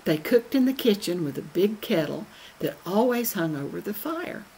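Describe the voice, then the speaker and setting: An older woman from the American South with a softened Southern accent, telling folksy history stories to camera with careful, crisp word endings. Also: medium pitch, big pitch swings, a little hiss or hum, poor audio. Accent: Southern American, softened by radio speech training. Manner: slow, careful endings, gently humorous. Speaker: presenter. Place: wood-panelled room indoors. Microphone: webcam on a video call.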